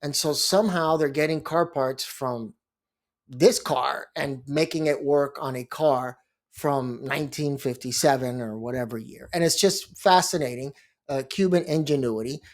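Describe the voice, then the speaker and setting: A man's voice: medium pitch, normal speed. A middle-aged man from Miami, a lawyer, talking casually in a rambling monologue with asides and restarts. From Miami, Florida. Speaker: bankruptcy lawyer and blog host.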